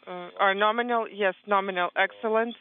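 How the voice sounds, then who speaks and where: A man interpreting crew calls live over a radio comm link, speaking in halting, clipped technical callouts. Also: sits high, steady tone. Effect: radio communicator link, like a sci-fi comm channel. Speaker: interpreter on the space-to-ground comm loop. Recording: tinny narrowband radio link with faint hiss.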